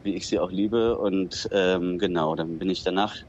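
A relaxed, low-voiced man from Berlin-Spandau, raised in Dithmarschen, owns a bistro and is the guest in a casual interview. He talks at a moderate pace, leaning on "genau" and "ähm." The audio is dull, with a little background noise.

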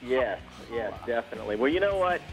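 Florida fishing captain guy, relaxed report, you know this and that, faint music underneath. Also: mid-range voice, a little fast, rough recording. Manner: relaxed, explanatory, with fillers.

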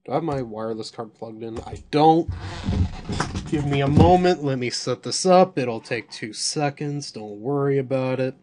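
A man with a slightly hoarse voice casually reviewing software at his computer, thinking aloud and swearing when surprised. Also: mid-range voice, normal speed, background noise.

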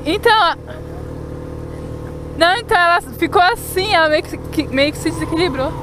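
Young girl motovlogging, high voice, chatty, loud traffic and engine behind her. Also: lively intonation, normal speed. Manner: chatty, exclaiming at traffic, laughing. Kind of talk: casual running commentary while riding. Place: outdoors on a motorcycle in city traffic. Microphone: helmet or camera mic while riding. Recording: wind and engine noise from a motorcycle ride. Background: traffic and motorcycle engine noise.

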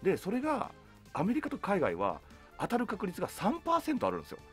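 A man hosting a lively radio chat show from a small studio. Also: high-pitched, fast talker. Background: faint music.

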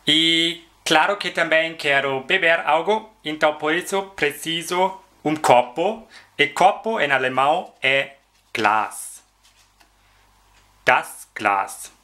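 A man teaching vocabulary in a slow, repetitive lesson, carefully pronouncing each word several times. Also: fairly high pitch, expressive, bright, forceful tone. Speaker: German language teacher.

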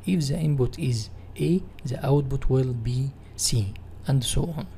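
An instructor with an Egyptian Arabic accent delivers a software tutorial in non-native English, reading slides and then explaining them in his own words. His mellow, mid-pitched voice runs a little slow with vocal fry, and faint noise sits on the recording.

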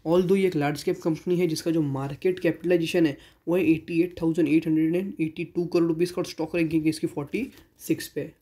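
A man's voice: fairly high pitch, flat delivery, fast, few pauses, warm tone. A man hosting a stock market channel, giving a voice-over analysis of share figures and mixing English terms into Hindi, at times correcting himself mid-sentence.

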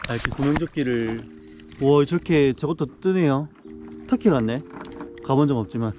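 A young man chatting casually to a camera held at arm's length as he vlogs outdoors by a river and a jungle waterfall, upbeat and quick to get excited. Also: medium pitch, background noise. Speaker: travel vlogger. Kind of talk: casual travel vlog.

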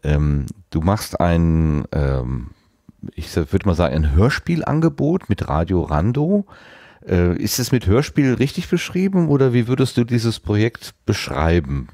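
Very deep, mellow male podcast host. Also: big pitch swings, measured pace, dry recording, studio quality. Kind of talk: casual interview talk.

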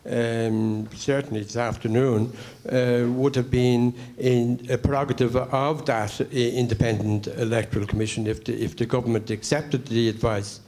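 A middle-aged man from Ireland stands to speak from the floor of a public meeting, halting often with fillers as he builds his point. His voice sits at an ordinary middle pitch. He holds a handheld microphone in a large conference hall. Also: level tone, a little mellow. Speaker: convention member.

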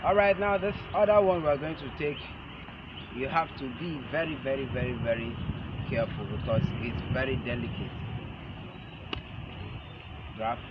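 Speaking in a mid-range voice, a man in his thirties teaches self-defense hands-on, using short halting phrases and saying his instructions more than once. The setting is a large open concrete outdoor arena with stepped stands, and the camera a few metres away captures muffled sound swamped by loud background noise.

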